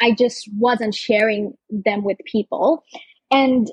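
Somewhat breathy female voice, fairly high in pitch, at a fairly slow pace. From Bangladesh. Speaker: health equity advocate and researcher. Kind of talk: interview.

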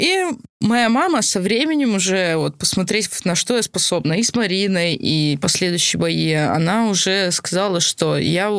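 A woman uses an ordinary speaking voice at medium pitch and a moderate pace, with ordinary pitch variation and very even loudness. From Moscow, Russia. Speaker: professional MMA fighter. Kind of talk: podcast interview. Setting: studio.

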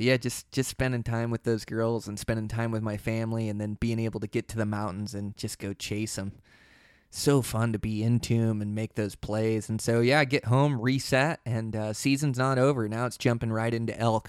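An American-accented man speaks at medium pitch and a moderate pace in an animated tone. The recording is very clean, with a silent background and a dry, close sound with no echo. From US Pacific Northwest. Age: 40s. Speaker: hunting podcaster. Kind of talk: casual solo podcast monologue. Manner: animated, filler-heavy.

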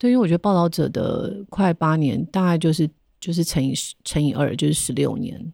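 A woman's fairly low voice with a dark, mellow tone at a fairly quick pace, on a very clean recording with a silent background and a dry, close sound free of echo. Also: lively intonation. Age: 40s. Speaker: journalist and editor-in-chief. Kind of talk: interview.

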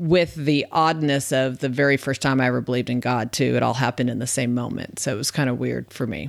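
A very deep, low-pitched woman's voice with vocal fry and an American accent, at a very fast pace with hardly any pauses and fairly even intonation, on a very clean recording with a silent background. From Arizona. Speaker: recovering alcoholic sharing her story. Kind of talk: testimony.

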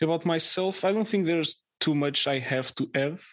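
Against a quiet background, a man with a Portuguese accent speaks at a moderate pace. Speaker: APL and Python educator. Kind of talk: casual chat.

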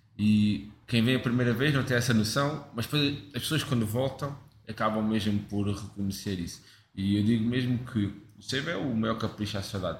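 The voice is somewhat breathy, moving at a moderate pace with ordinary pitch variation amid audible room echo. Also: man, medium pitch for a man. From Portugal, Setúbal. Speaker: chef and restaurant owner. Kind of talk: casual interview. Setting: restaurant.

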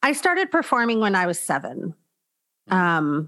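A woman with a Californian accent talks in a medium pitch and an animated tone. The recording is very clean, with a silent background. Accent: Californian American. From Los Angeles, San Fernando Valley. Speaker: publicist and social media strategist. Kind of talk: interview conversation.

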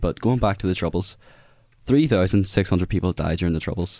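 The speaker has a Northern Irish accent. The recording is very clean, with a silent background. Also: man. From Belfast, Northern Ireland. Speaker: youth campaigner.

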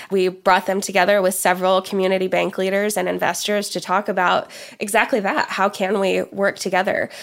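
A woman with an American accent speaks at a fairly quick pace with hardly any pauses, monotone, flat intonation and vocal fry. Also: medium pitch for a woman. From Oklahoma, US. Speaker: fintech founder and CEO. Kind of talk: interview. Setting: remote call.

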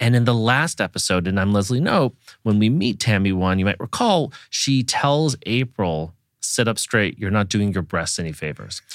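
Delivered at a moderate pace, an ordinary speaking voice moves with lively intonation. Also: man, fairly low pitch for a man. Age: 40s. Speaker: podcast co-host, writer. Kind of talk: casual chat.

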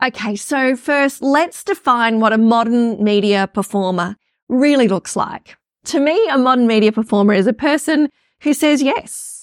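Talking at a moderate pace with an Australian accent, a woman with a high pitch uses lively intonation and very even loudness. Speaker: podcast host, former radio broadcaster and media coach. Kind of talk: solo podcast monologue. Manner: laughs often.

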